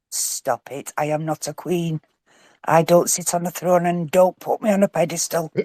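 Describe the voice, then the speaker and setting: A woman's fairly low, dark, mellow voice at a moderate pace with fairly even intonation, dry and close with no echo, on a very clean recording with a silent background. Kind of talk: casual chat.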